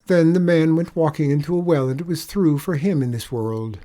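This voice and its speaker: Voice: mid-range voice, normal speed, warm tone, pitched above the performer's own voice, close to an everyday voice. A storyteller voicing a sly, wheedling male leprechaun with an Irish accent, spinning a pitiful tale in a storybook reading.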